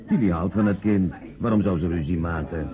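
A man's voice: low voice, fairly quick, close to an everyday voice. An actor playing a gushing, gossipy showbiz man at a party in a Dutch radio play, speaking effusively and repeating himself. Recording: muffled phone-like old radio recording, party chatter.

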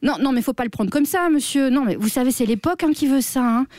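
A woman playing a chatty job-center clerk who talks to an unheard caller, slightly hoarse and full of fillers. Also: high voice, quick pace, a little mellow, no echo, clean studio sound, lightly acted. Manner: gossipy, talks to an unheard caller, constant "hein". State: a little hoarse. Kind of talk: comedy sketch on radio.

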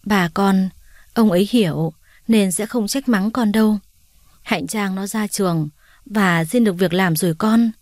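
A woman's voice: medium pitch, measured pace, a little mellow, dry recording, clean studio sound, lightly acted. Woman doing a grey-haired old mother, choked up. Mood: emotional. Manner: choked, emotional.

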